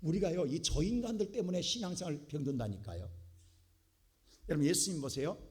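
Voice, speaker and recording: A man preaching a sermon as pastor, dramatically acting out the words of biblical figures and swinging between quiet low asides and loud, impassioned bursts. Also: animated, a little fast, slightly rough. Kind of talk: Korean church sermon. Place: church sanctuary.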